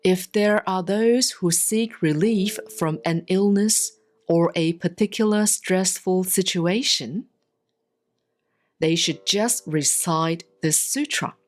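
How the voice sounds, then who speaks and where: A woman reads Buddhist scripture as a monastic, in a solemn, measured and deliberate scripted style with pauses between phrases. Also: fairly low pitch. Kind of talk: solemn scripted sutra recitation, audiobook-like reading. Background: soft plucked guitar-like music.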